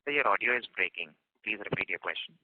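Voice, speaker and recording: Low-voiced male conference call operator. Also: lively intonation, quick pace, no echo. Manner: polite, formal. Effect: conference call phone line. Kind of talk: scripted call moderation. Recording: tinny phone line.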